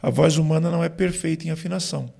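A Brazilian gospel singer and vocal coach explaining singing on a podcast, with lots of "né" and "tipo" fillers. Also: male voice, fairly high pitch, steady tone, racing, gravelly, a little mellow, slightly rough. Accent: Brazilian Portuguese. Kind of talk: podcast interview.

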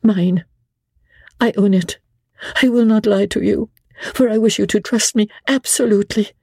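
A woman's voice: mid-range voice, normal speed, warm tone, husky, no echo, clean studio sound, pitched above the performer's own voice. A woman voicing an earnest, desperate English lady in a dramatic audiobook, urgent and resolute as she pleads. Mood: desperate, pleading.

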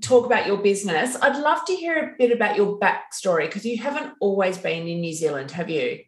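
A woman's voice: medium pitch, lively intonation, a little fast. A middle-aged woman hosting a podcast and interviewing in a conversational way, with a roomy, echoing sound.

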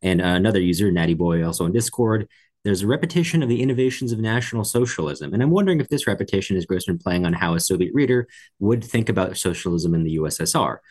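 Deep, fast-talking man. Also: lively intonation, a little mellow. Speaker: podcast co-host. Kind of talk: book discussion, reading out listener comments.

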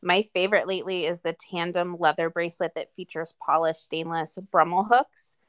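A woman co-hosts a podcast in an informal, chatty manner. Her voice sits a little low for a woman. The sound is dry, with no room around it. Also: steady tone, normal speed, dry recording. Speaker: podcast co-host. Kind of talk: casual chat and read sponsor spots.

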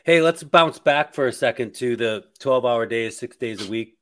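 A man's voice: medium pitch, moderate pace, a bit bright. A man in his late forties hosting a podcast interview, encouraging his guest and laughing easily. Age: 40s. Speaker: podcast host. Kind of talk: casual interview chat.

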